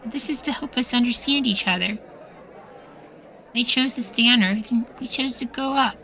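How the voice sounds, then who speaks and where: A woman's voice: on the high side, moderate pace, some chatter behind. A woman playing a meek, sweet young boywife in a futuristic ASMR roleplay, hesitant and full of trailing questions. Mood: gentle, wondering. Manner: hesitant, soft-spoken pleading, trailing questions.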